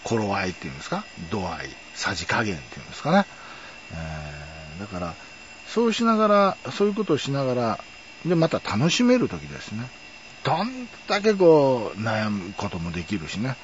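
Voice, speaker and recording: A low-voiced man hosts a rambling solo talk and swings his pitch widely between phrases. He leans on fillers and asides. The recording sounds dull and lo-fi, with faint background noise. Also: huge pitch swings, fairly quick. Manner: rambling, nostalgic storytelling with many fillers. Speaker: podcast host. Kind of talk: casual monologue.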